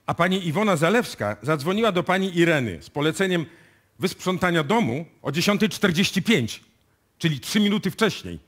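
An actor playing a methodical, probing police inspector in a live radio play. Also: male voice, fairly high pitch, sing-song. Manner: deliberate, probing.

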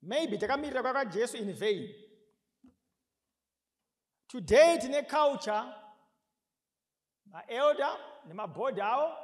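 Zimbabwean male preacher, 30s, very high voice, animated and emphatic, podium mic, reverberant hall. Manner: animated, rising to emphatic shouts, asks the crowd questions. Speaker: pastor. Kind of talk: sermon mixing Shona and English. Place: large hall with seated congregation. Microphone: podium microphone.

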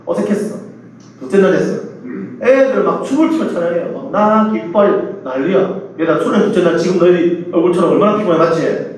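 A man's voice: high voice, expressive, fairly quick, a little mellow. A middle-aged male pastor preaching to a youth retreat, telling a story animatedly and mimicking the voices of others. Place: large church hall. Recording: echoey hall from far off.

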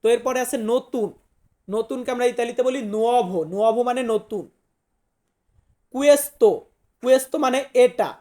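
A woman's voice: on the high side, normal speed, mellow. A woman teaching a vocabulary lesson, repeating each word and its meaning and spelling some out. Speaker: language teacher.

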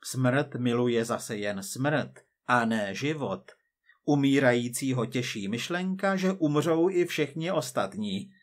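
A man voicing a cold, persistent male agent from the future, measured and quietly menacing. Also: medium pitch, lively intonation, close to an everyday voice.

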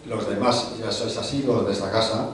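A middle-aged man at a panel table introducing an author at a book launch. He works through a long biography in measured lists, with small hesitations and restarts. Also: fairly low pitch, steady tone, recorded from a distance, a crowd in the background. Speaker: event host presenting an author. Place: large conference room, seated at a panel table. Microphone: table microphone. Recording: very echoey hall, voice from off-mic.

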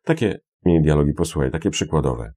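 A man's voice: a bass voice, expressive, quick pace, warm tone. A man from Poland teaching English phrases in an online lesson. He repeats words and explains with many fillers.

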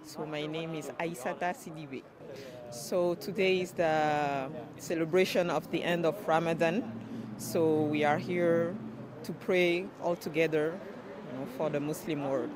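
A woman from West Africa speaking slowly and earnestly in a street interview at a celebration. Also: low-pitched, fairly even intonation, crowd noise. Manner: slow, thoughtful, earnest. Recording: noisy outdoor field recording.

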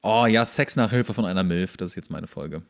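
A man's voice: deep voice, a little fast, vocal fry. A young man chatting casually as a podcast co-host, commenting on a show with joking, sarcastic remarks. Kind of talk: casual chat and commentary while watching a show.

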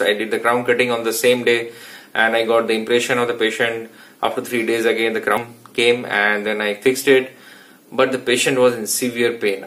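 An Indian man in his thirties talks through clinical steps in a plain, mid-pitched voice. He explains as a dentist in an informal teaching vlog, often restarting his sentences. He is recorded close up in a small clinic room. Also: a bit bright. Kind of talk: instructional vlog.

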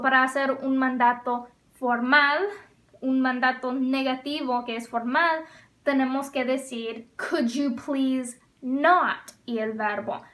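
High-voiced woman teaching slowly. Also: a bit bright. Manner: slow, careful explaining with frequent check-ins; mixes Spanish and English mid-sentence. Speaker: English teacher. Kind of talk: bilingual language lesson.

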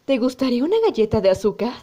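A woman's voice: fairly high pitch, lively intonation, rapid-fire. A woman voicing a kindly, polite mother hedgehog in a cartoon fan dub. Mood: warm, polite. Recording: loud music behind the voice.

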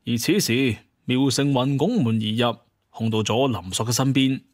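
A man's voice: mid-range voice, normal speed. A man with a Cantonese accent narrates a scripted, dramatized adventure story. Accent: Hong Kong or Guangdong Cantonese. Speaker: audiobook narrator.

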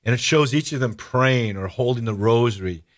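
A middle-aged man hosts a radio talk show and chats casually with his guest. He tells stories with animated energy, stopping and restarting his sentences, and his voice sits at an ordinary middle pitch. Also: normal speed. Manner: animated storyteller, many restarts and fillers. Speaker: host. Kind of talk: casual radio interview chat.

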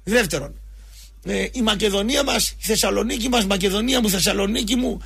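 Husky, gravelly man ranting about football. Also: high voice, fairly bright tone. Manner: colloquial, emphatic, full of restarts and mock quotes. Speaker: sports show host. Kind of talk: rambling football commentary monologue.

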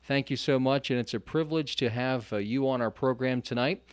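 A man's voice: mid-range voice, brisk, no room sound. A man hosting a Christian radio interview program, earnest and rambling, with frequent restarts. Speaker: radio show host. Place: radio studio.

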